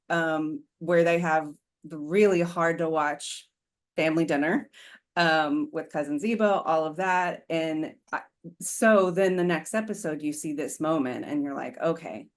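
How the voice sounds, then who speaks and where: A woman co-hosting a casual rewatch podcast, talking earnestly and agreeing readily. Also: low voice. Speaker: podcast co-host.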